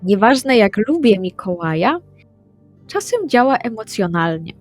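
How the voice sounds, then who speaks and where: A woman's voice: medium pitch, big pitch swings, a little slow, no echo. A woman speaking in character as a player in a tabletop roleplaying session. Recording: music bed under the voice. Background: background music.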